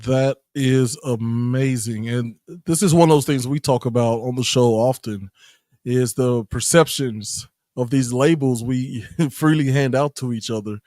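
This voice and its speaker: A man's voice: mid-range voice, a little slow, darkish tone, no echo, clean studio sound. A man hosting a podcast, interviewing in a casual conversational style. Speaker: podcast host.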